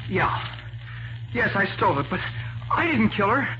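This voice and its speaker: A man's voice: high voice, big pitch swings, normal speed, over music. An American man playing a nervous, defensive musician under suspicion, stammering and pleading in 1940s radio acting style. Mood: desperate pleading. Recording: muffled, noisy 1940s radio recording.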